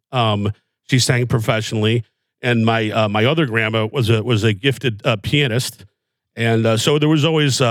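Here a man with an American accent and a plain, everyday voice talks at a fairly quick pace and medium pitch. The recording is very clean, with a silent background. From Chicago suburbs (Lombard, Illinois). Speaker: comedian. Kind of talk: casual chat. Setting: studio.

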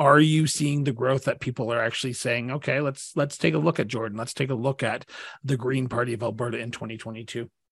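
A man talks very fast in a somewhat breathy, medium-pitched voice with ordinary pitch variation. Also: quiet background. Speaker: podcast host. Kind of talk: interview, year-in-review chat.

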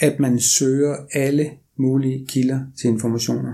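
Very slow and monotone, with flat intonation, a man's medium-pitched voice carries a dark, mellow tone. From Denmark, Aarhus. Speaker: journalist. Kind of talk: interview.

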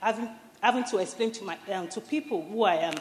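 Fairly high-pitched speech from a woman, ordinary in pitch variation, against noticeable background noise. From Nigeria. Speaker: audience member. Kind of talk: audience question. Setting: stage with audience.

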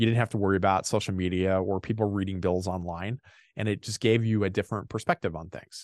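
A man talks at a very fast pace in a fairly low, flat, monotone voice with a US Midwestern accent. The background is quiet, and the sound is dry and close with no echo. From Indiana, US Midwest. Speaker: gun rights activist. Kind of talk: interview.

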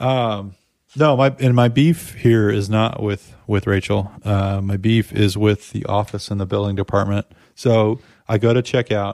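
In a plain, everyday voice, a man speaks at a fairly low pitch and a fairly slow pace, with fairly even intonation and a dry, close sound with no echo. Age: 30s. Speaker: podcast guest, testosterone therapy patient. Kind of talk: casual chat. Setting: video call.

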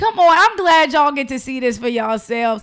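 Loud and lively in intonation, a woman speaks with a high pitch and a bright, sharp tone. The recording is very clean, with a silent background. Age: 20s. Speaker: podcast host. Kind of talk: casual chat. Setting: studio, streamed live.

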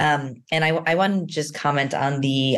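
Her voice has a very deep, low pitch. The woman speaks with an American accent. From US East Coast. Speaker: corporate strategy executive. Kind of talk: panel discussion.

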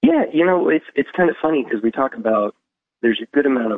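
This man has a normal speaking voice. He moves at a fairly quick pace with ordinary pitch variation. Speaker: tech startup founder. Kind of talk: interview. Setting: phone call.

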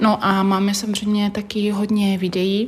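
Noticeable noise runs behind a woman whose pitch sits in the middle of her range. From Czech Republic, Nový Jičín. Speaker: folklorist and violinist. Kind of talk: interview. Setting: outdoors on a town square.

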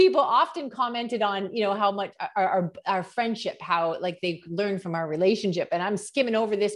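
A woman at a very fast pace, ordinary pitch variation, against a quiet background. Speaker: podcast host. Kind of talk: interview. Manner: high energy.

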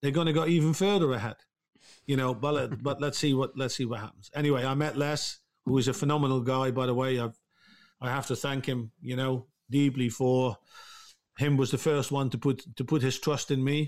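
Delivered at a fairly quick pace, the speech has a Dutch accent and fairly even intonation. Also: man, medium pitch for a man. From Netherlands. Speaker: football coach. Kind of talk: interview, storytelling.

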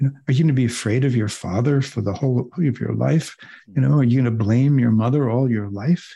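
A man speaks at a medium pitch with a somewhat breathy, dark, mellow tone, ordinary pitch variation and very even loudness. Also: fairly quick pace. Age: 70s. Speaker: author and spiritual teacher. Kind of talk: interview conversation.

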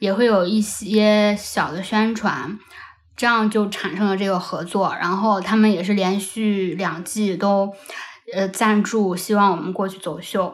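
A woman speaks at a fairly slow pace in a flat monotone at medium pitch. Audible room echo is present. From China. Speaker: fashion designer. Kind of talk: interview.

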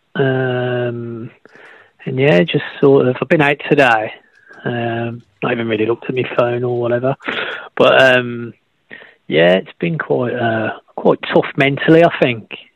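A man with a Birmingham accent, medium in pitch with ordinary variation, at a fairly slow pace broken by long, frequent pauses. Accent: Brummie. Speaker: caller. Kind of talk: casual chat.

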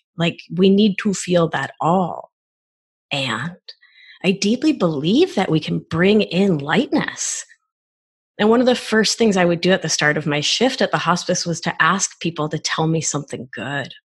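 A woman's fairly low, somewhat breathy voice with lively intonation at a moderate pace. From Argentina, then Brooklyn New York. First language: Spanish. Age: 40s. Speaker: nurse practitioner and life coach. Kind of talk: casual interview conversation. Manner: animated, laughs often.

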